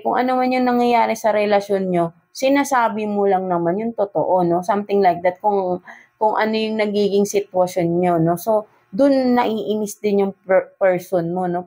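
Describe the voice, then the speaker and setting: A woman with a Filipino accent and a mid-range, darkish voice does a casual tarot love reading. She shifts between Tagalog and English and ends nearly every phrase with a questioning "no?"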